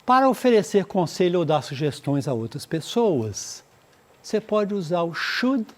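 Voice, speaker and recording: A Brazilian man teaches English for an exam-prep lesson. His voice sits a little high. He models English sentences slowly, translates them, and keeps checking in with his students. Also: sing-song. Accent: Brazilian Portuguese. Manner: slows down to model English phrases, then translates; explanatory, repeats points with "né?" and "tá?".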